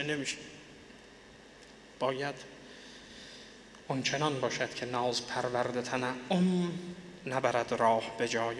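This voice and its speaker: A man preaching a religious sermon to an audience, swinging between soft and loud and reciting poetry slowly. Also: on the high side, in a large hall, slight background noise. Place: large lecture hall.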